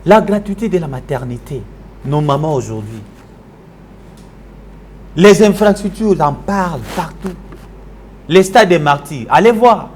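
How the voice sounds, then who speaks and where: A Congolese man with a Congolese French accent, declaiming a combative political rant. His voice sits high and swings widely up and down. He drops into Lingala between French phrases. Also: lively intonation, measured pace, pauses often, darkish tone, a little hiss or hum. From Kinshasa, Congo. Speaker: political commentator. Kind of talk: impassioned political tirade.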